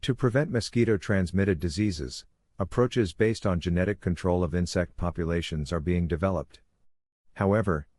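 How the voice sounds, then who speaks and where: A man with a low, deep voice reads scripted informational text aloud. His voice is recorded dry, with no audible room. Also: darkish tone, no room sound. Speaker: reader of practice exam passages.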